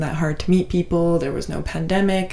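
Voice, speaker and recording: At a moderate pace, a woman talks in a fairly low pitch with a dark, mellow tone. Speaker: vlogger. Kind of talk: casual vlog monologue.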